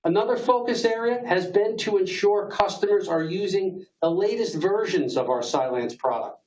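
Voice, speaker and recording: A man giving a scripted earnings call presentation as a company executive, in a formal, measured business manner. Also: sits high, expressive, darkish tone, rough recording.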